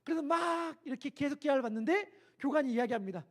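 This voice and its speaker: A male pastor preaching a sermon in a church, telling stories in an animated way. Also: very high voice, fast talker. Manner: animated storytelling, acting out quoted voices. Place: church sanctuary.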